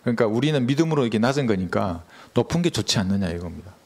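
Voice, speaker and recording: A man preaching a sermon as pastor, speaking in a measured, earnest way and asking the congregation questions. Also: fairly low pitch, animated, darkish tone.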